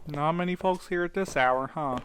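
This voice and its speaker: A man's voice: fairly high pitch, normal speed, fairly bright tone, slight background noise, natural voice. A man playing a teasing but supportive friend and coworker in a fiction podcast, with wordy, sarcastic quips. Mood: dry sarcasm. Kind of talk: fiction podcast audio drama acting.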